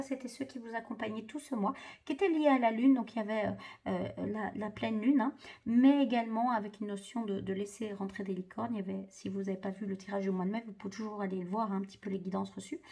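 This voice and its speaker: A woman's voice: on the high side, creaky, warm tone. A woman doing a spiritual card reading for viewers, hesitant and full of fillers and restarts. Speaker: tarot card reader.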